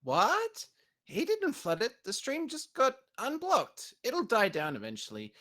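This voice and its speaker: Young chatty girl pony voiced by a woman, cartoon audio drama, very animated pitch, cheeky and bubbly. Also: unhurried, exaggerated voice. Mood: indignant.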